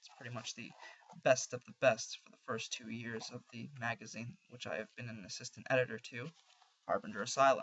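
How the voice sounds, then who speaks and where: A man with a plain, everyday voice speaks fairly quickly at a medium pitch, his intonation fairly even but his loudness swinging widely. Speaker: poet and assistant magazine editor. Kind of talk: casual spoken introduction to a home recording.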